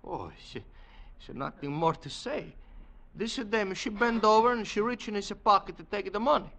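A man playing an excitable Italian immigrant peanut vendor in a 1940s radio drama, speaking halting, theatrical broken English with an Italian accent. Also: high voice, gravelly. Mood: animated, amused. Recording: vintage 1940s radio recording.

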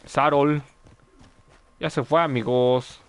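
A man's voice: medium pitch, steady tone, slow. A man commenting live on his gameplay, chatting with viewers and yelping at mishaps. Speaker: gaming streamer.

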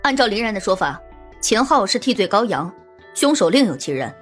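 A woman plays a sharp-minded female police leader in a detective audiobook. She reasons aloud deliberately, with lively swings in a mid-pitched voice and faint music behind. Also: slightly rough. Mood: deductive.

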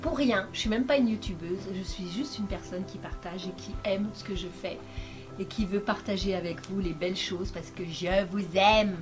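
A woman's voice: medium pitch, moderate pace, over music. A woman vlogger showing her shopping haul in a playful, chatty way, filmed by a cameraman. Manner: chatty and playful, with pet names for viewers. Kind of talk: casual chat to viewers. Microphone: camera microphone, filmed by a cameraman.

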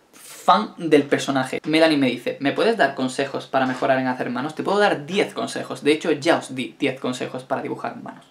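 A young man in his twenties from Spain, speaking with a Spain Spanish accent, reads out viewers' questions and answers them in a chatty, wry, self-mocking way. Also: a little high. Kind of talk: casual Q&A vlog.

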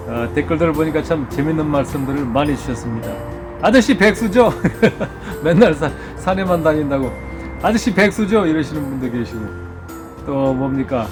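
Chatty middle-aged Korean man, slightly hoarse. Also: a little high, darkish tone. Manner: chatty, self-joking, many fillers and restarts. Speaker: orchid-growing channel host. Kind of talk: casual talk to subscribers. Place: indoor studio. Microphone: wearing a face mask.

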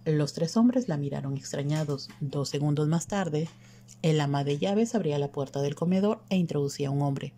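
A woman narrating an audiobook in an even, measured reading. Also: low voice, a little hiss or hum.

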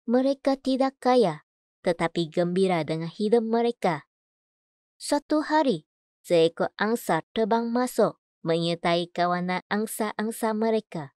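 A woman voice-over artist reads prepared copy in a medium-pitched voice. Her delivery is measured and clearly enunciated, and the recording is close and dry. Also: animated, a little mellow, dry recording. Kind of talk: scripted voice-over demo: adverts, narration, announcements.

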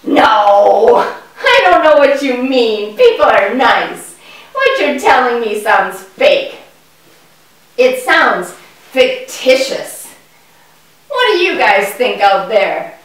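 A woman voicing a naive, curious puppet boy in a children's educational show, with exaggerated wonder and drawn-out questions. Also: fairly high pitch, sing-song. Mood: doubtful. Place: indoor puppet stage in a room. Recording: echoey room, distant microphone.

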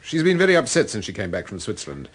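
An actor playing a composed gentleman detective in a radio drama, polite, measured and probing. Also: on the low side, wildly swooping pitch, husky, full character voice. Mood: probing, cool.

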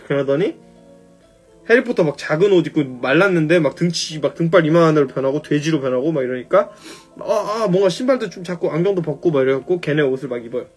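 A man's voice: a little high, fast, husky, soft background music. A man casually retelling a story on a phone live stream, loose and chatty, swearing now and then.

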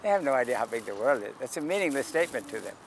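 A man's voice: medium pitch, big pitch swings, very fast. An older man explaining the sun and the public in casual talk, outdoors in a park beside a parking lot, heard through a camera mic a few feet away. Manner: calls out invitations loudly to passersby, dry humor. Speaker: sidewalk astronomer.

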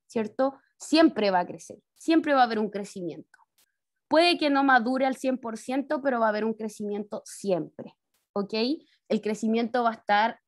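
A woman teaching science in an online class with a Chilean accent, explaining step by step and checking in with tag questions after each point. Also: on the high side. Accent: Chilean Spanish. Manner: speaks to the pupils as kids. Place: home, on a video call. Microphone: laptop mic on a video call.

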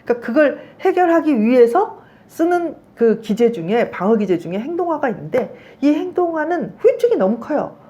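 A woman's voice: high-pitched, very animated, moderate pace, hardly any pauses, warm tone, lo-fi sound. A middle-aged woman giving a psychology lecture in a conversational way, often checking in with her listeners and acting out angry outbursts as examples. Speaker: psychology professor.

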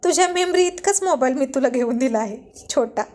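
A teasing young husband scolds with a mocking, playful edge, as a woman reads him in her own high voice. The storybook reading keeps him close to the narrator's tone. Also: expressive, fairly quick, a little mellow. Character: teasing young husband, sharp-tongued and amused.

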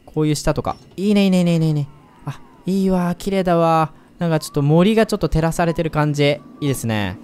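A man giving let's play commentary, chatty and excitable, talking straight to his viewers and breaking into loud whoops. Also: on the high side, quick pace, smooth. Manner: chatty, speaks to viewers directly. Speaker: game commentator.

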